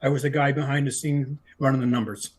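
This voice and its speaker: A man's voice: mid-range voice, level tone, quick pace. An older man, a retired structural engineer, introducing himself earnestly with stammered repeats. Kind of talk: casual introduction.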